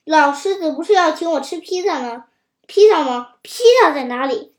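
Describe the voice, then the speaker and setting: Storybook: sharp, wary little bull calf, high bright voice, scornful, roomy sound, read by a woman. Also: animated, normal speed. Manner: alert, scornful when he sees through lies. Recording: roomy echo.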